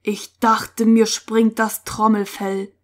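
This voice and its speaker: A woman voicing a freckled, wide-eyed rascal boy in a Christian story for children, with lively boyish talk. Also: fairly high pitch, slow. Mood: amazed.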